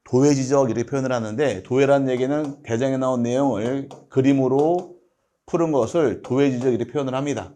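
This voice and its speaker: A middle-aged male lecturer speaks at an ordinary pitch in a steady, methodical way. He points through a diagram one item at a time and calls on students to repeat the terms after him, like a recorded prep class. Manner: methodical, walks through a diagram step by step and has students recite along. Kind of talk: online exam-prep lecture.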